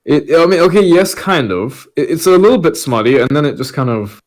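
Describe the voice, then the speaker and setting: A man's voice: a little high, lively intonation, fairly quick. A man bantering casually as a podcast host, wry and wordy in a teasing way.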